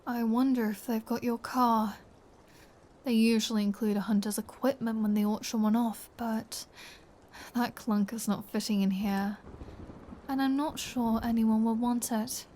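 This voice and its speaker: A woman's voice: on the high side, steady tone, a little slow, a little mellow, lightly acted. A woman voicing a flirty, menacing vampire in an intimate ASMR roleplay, teasing and sardonic, often slipping into a whisper. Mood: wistful, flirty. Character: flirty, menacing female vampire taunting her captive hunter.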